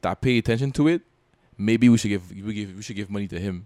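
Speaking at a moderate pace with lively intonation, a man comes through in a dry, close recording with no echo. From Montreal, Quebec (Little Burgundy, Haitian family). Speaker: rapper. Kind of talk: casual interview chat.

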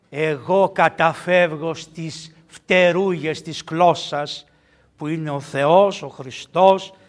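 A man speaks at a very slow pace in a high voice. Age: 60s. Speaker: priest and missionary. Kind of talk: lecture. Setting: hall with audience. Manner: animated.

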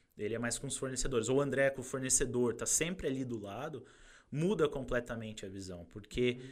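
A man speaks in a plain, everyday voice, medium in pitch with ordinary pitch variation. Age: 20s. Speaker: engineer and company director. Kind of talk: podcast interview.

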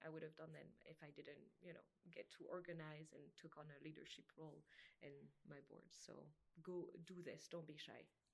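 Woman's voice with vocal fry at a moderate pace. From France. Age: 30s. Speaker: youth organization executive director. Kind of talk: podcast interview.

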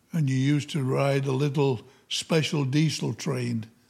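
A man speaks at a medium pitch, somewhat breathy. The recording is very clean with a silent background. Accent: American. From Yorkshire, England. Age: 80s+. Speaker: retired coal miner and grandfather. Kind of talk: casual family conversation. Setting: home recording with podcast mics.

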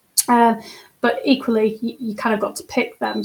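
Somewhat breathy, fairly high woman's voice at a moderate pace, in a monotone, flat intonation. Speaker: procurement executive. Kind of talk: interview conversation.

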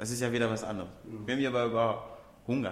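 There is audible room echo as a man with a Ghanaian accent speaks at a medium pitch. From Togo. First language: Ewe (speaking German). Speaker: dancer and choreographer. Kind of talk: casual chat.

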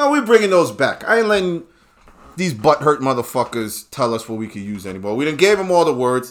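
A man's animated voice with very wide pitch swings. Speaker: podcast host. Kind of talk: casual rant. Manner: stutter; profane, blunt, animated.

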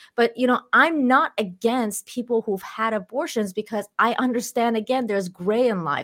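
A woman speaks at a moderate pace with fairly high pitch and ordinary pitch variation. It is an unremarkable speaking voice, with a dry, close sound and no echo. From Iran, then Canada from age ten. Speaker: YouTuber and commentator. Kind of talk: casual chat.

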